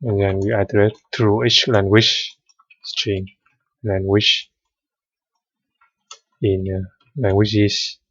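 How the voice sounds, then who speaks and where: A man whose first language is Vietnamese walks through code in a tutorial, pausing often and filling gaps with hesitant sounds. His voice sits fairly low and he speaks slowly. The recording is dry and a bit dull. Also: flat delivery, a bit bright, no echo. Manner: hesitant, many "uh" fillers, unhurried. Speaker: programming tutor. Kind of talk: screen-recorded coding tutorial.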